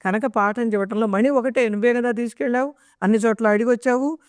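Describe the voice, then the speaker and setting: Woman, own voice, plays a wise old guru, patient explainer, smooth and dry. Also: fairly high pitch, fairly even intonation, quick pace, no echo, natural voice.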